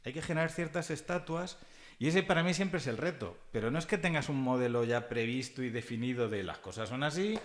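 A man from Catalonia speaks as a panelist in a relaxed but thoughtful discussion. He talks in a lively, discursive way. He checks in with short tag questions and lets out small chuckles as he builds his points. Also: mid-range voice. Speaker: panelist at a book presentation. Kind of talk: conversational academic discussion.

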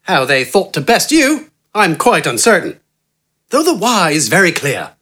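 Wither, a silky, eloquent gentleman voiced by a man. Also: high voice, breathy edge, voice pushed up, full character voice. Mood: genteel. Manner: eloquent, relaxed, friendly, rapid and flowery. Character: refined, smiling gentleman doctor, unflappable and verbose.

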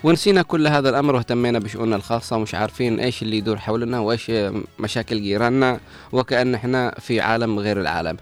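Fast-talking man giving earnest advice. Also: medium pitch. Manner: earnest, preachy and moralizing. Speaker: radio presenter. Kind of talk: morning radio advice talk.

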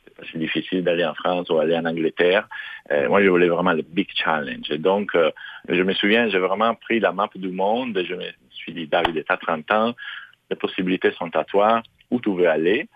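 Man from Italy, middle-aged, French as a second language, very deep, hesitant, thin phone-like sound. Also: normal speed. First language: Italian. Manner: hesitant, many fillers and restarts. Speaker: guest. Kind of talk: conversational interview answers. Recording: dry, phone-like narrow sound.

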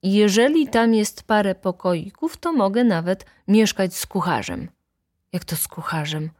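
A woman's voice: mid-range voice, expressive, a little slow, darkish tone, dry recording, studio quality. A woman voicing an insolent, pompous male valet who orders people about in a haughty, commanding way.

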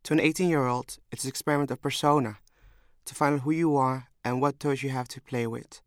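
A man's voice: medium pitch, fairly even intonation, fairly quick, no room sound. Man reading a reflective memoir, dry sound. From Somalia. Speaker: storyteller. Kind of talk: scripted first-person memoir narration.

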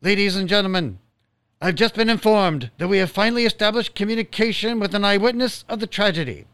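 A man's voice: high-pitched, fairly quick, a bit bright, smooth, no room sound. A man playing an earnest radio news announcer, formally reporting a disaster in a radio drama. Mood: urgent, formal. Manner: formal, urgent, orderly.

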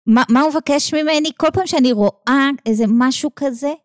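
Animated Israeli woman teaching a text. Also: high voice, no echo, clean studio sound. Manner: animated, asks rhetorical questions, checks in with "okay?". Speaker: teacher of Jewish texts. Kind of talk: lecture on a religious text.

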